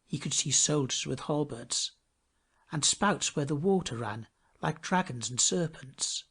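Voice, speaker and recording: A male storyteller reads a fairy tale from a script. His pitch moves in lively swings, with a husky edge to the voice, and his delivery is measured and expressive.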